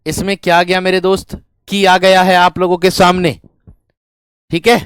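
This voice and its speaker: A man with a high, monotone voice teaches Hindi grammar at a moderate, smooth pace, captured at studio quality with no room sound. In the lesson he dictates example sentences and repeats phrases, frequently pausing on familiar rhetorical questions to see if students are following.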